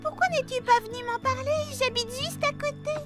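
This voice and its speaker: A woman voicing a bubbly, caring young girl hairdresser in an expressive, exclaiming way for a children's cartoon dub. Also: extremely high pitch, fairly quick, reverberant, recorded from a distance. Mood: concerned, caring. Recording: music behind the voice.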